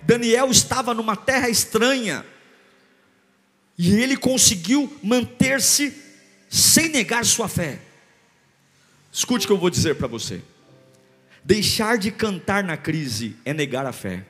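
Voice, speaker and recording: Impassioned high-voiced preacher. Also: male voice, very animated, takes it slowly, long pauses, big-room sound, soft background music. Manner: impassioned preaching with swings between loud and hushed; rhythmic repetition, calls for congregation to repeat. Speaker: pastor. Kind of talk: sermon.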